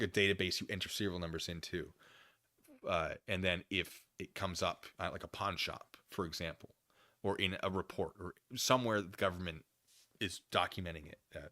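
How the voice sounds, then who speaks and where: A man hosting a live stream, reading documents aloud and commenting casually with conversational, animated asides. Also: low voice. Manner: conversational, animated asides, acts out imagined dialogue.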